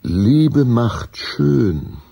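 A man narrating a children's radio play as a suspenseful, deliberate storyteller. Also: medium pitch, very animated, vocal fry, dark tone, slightly rough.

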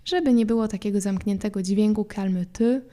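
A woman hosts a podcast lesson in a calm, explanatory way. Her voice is soft and mellow, and she repeats each word slowly so listeners can follow. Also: mid-range voice. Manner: patient, repeats French words slowly for practice. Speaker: French teacher and podcast host.

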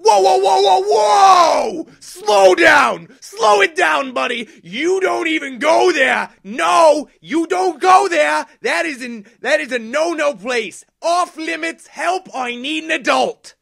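A man voicing an excitable, panicky, goofy young character for a voice acting demo reel. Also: very high-pitched, slow, vocal fry, few pauses, shouting, pitched above the performer's own voice, full character voice. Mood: frantic.

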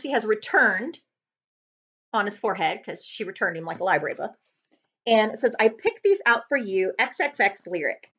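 High-voiced, animated woman reading. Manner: expressive, dramatic storytelling. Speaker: librarian reading aloud for children. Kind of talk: storybook read-aloud. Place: living room, on a couch. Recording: slightly dull webcam audio.

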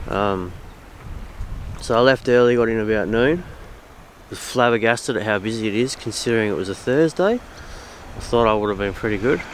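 A man's voice: fairly low pitch, normal speed, a little hiss or hum. A man in his thirties with an Australian accent, chatting casually and rambling a little as he vlogs from a beach campsite, camera held at arm's length. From Western Australia. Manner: relaxed, rambling, repeats himself. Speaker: camping vlogger. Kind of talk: casual outdoor vlog.

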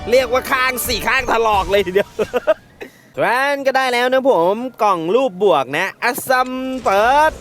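A man giving excitable, laughter-filled commentary while playing a mobile game, taunting his opponents as he goes. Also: extremely high pitch, moderate pace, soft background music. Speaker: gaming channel host.

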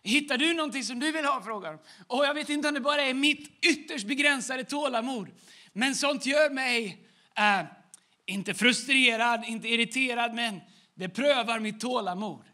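High, bright-voiced male pastor preaching. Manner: conversational preaching, acts out little dialogues. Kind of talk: sermon.

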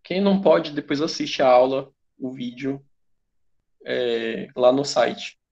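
This time the Brazilian English teacher sounds mid-range, slow and full of vocal fry, with lo-fi sound from his computer mic on a video call. With his Brazilian Portuguese accent, he calls on students online and keeps the classroom banter joking and relaxed.

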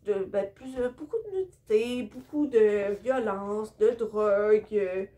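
In a relaxed home vlog, a young Québécoise book vlogger chats about her book haul from a room full of bookshelves. Her mid-range voice is slow and mellow, and her Québécois French accent comes through. She hesitates often, leans on many fillers, and seems a little worn out.

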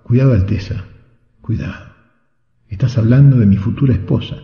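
A loyal storybook knight with a low, hushed, solemn delivery, as a male narrator reads him. His voice has a gravelly edge and echoes in a reverberant hall. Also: normal speed, lightly acted. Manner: calm, solemn, soft-spoken. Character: noble, steadfast young male knight. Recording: echoey, reverberant, slightly dull.

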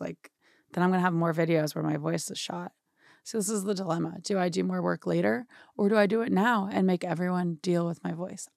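A young woman with a hoarse, worn-out voice, chatting through a software tutorial in a home studio and often checking in with "right?". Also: on the low side, no room sound. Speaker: music production tutorial host. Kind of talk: casual screen-share software tutorial.

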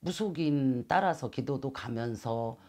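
A woman's voice: very deep voice, lively intonation, measured pace, warm tone. A middle-aged woman, a shaman fortune teller, earnestly explaining things in an interview, speaking in a shrine room with a clip-on mic. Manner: earnest, explanatory, gestures with hands. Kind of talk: interview answers. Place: shrine room with calligraphy screens.

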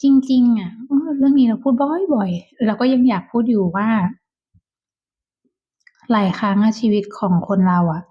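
A woman giving a casual tarot reading to viewers, talking softly and chattily with whispered asides. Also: mid-range voice, normal speed, slightly rough. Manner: soft, chatty, with whispered asides and light laughs. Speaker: tarot reader. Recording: dull lo-fi sound.

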